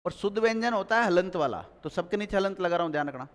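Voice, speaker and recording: A man's voice: high-pitched, animated, quick pace, in a large hall. A man teaching a live grammar class, drilling students with repeated questions and calling on them by name.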